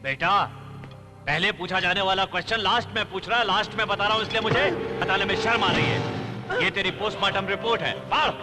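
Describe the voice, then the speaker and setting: A man's voice: high voice, brisk, long reverb tail, natural voice. An actor dubbing a swaggering, taunting older hero in a film, talking down to his enemies. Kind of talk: Hindi film dub. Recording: film soundtrack with loud music.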